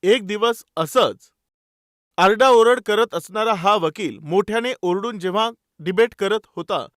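A man's voice: high voice, unhurried, a bit bright, dry recording, clean studio sound. A man preaching a sermon, calling his listeners dear brothers and sisters and telling stories with quoted dialogue.

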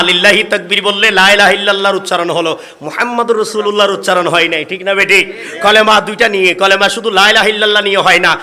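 A man's voice: high-pitched, pushed and bright. A man from Bangladesh preaching a sermon, calling out to the gathering for responses. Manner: calls out to the crowd for responses. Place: religious gathering.

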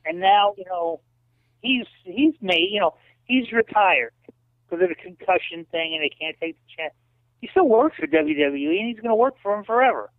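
A man in his late fifties, a guest in a casual interview, telling animated stories and often saying "you know". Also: sits high, normal speed, no echo. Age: 50s. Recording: tinny dry phone line.

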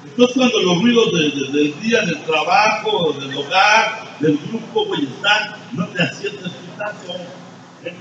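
A man's voice: very animated, measured pace. Older Mexican man, profane, echoey distant. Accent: Mexican Spanish. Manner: crude and mocking, swings between low murmurs and loud shouts. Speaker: speaker at a recovery group meeting. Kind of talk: blunt, profane confessional testimony. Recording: distant, echoey, dull-sounding room recording with noise.

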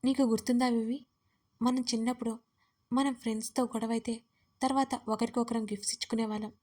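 A loving young man speaks gently and reassuringly, as a female storyteller reads his part. His voice is fairly high and stays steady and even. It sounds soft and pleading. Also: quick pace, close to an everyday voice. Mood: tender. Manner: soft, soothing, tender pleading. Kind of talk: audio story reading.

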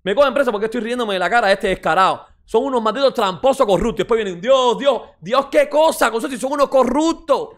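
A man's voice: extremely high pitch, quick pace, hardly any pauses. A man giving casual mocking football reaction commentary as a streamer, repeating exclamations, swearing and ranting.

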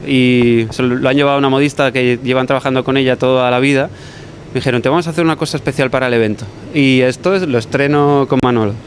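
Young male chef, chatty and quick, kitchen interview on a handheld mic, faint noise behind. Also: medium pitch, steady tone. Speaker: guest chef. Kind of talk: casual interview. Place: restaurant kitchen, indoors. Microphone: handheld reporter mic.

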